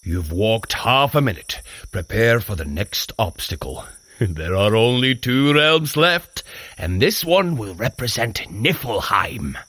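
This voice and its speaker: An actor playing a boisterous Asgardian warrior god who coaches a mortal through training in a fitness audio drama, with theatrical, archaic, cheerfully bloodthirsty delivery. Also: male voice, fairly low pitch, sing-song, slow pace, fairly bright tone, dry recording, full character voice. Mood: jovial, musing.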